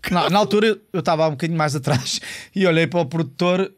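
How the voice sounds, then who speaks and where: Man, middle-aged, European Portuguese accent, animated storyteller, slightly high voice, dry close mic. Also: fast, no echo. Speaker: guest, actor and voice artist. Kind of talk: casual podcast chat.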